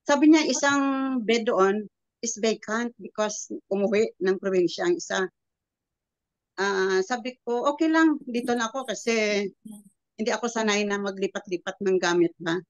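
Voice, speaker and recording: A woman's voice: medium pitch, no echo, lo-fi sound. Older woman telling a rambling testimony. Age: 70s. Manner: rambling, halting storytelling that acts out quoted dialogue. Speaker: prayer group member sharing a testimony. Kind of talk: personal testimony, casual storytelling.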